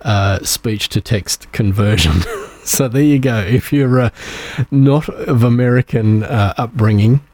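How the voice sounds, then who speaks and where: A man with an Australian accent hosting a podcast on his own, talking in a relaxed, rambling way with frequent fillers and restarts. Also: mid-range voice, a little slow, no room sound. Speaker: podcast host. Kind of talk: casual solo podcast talk.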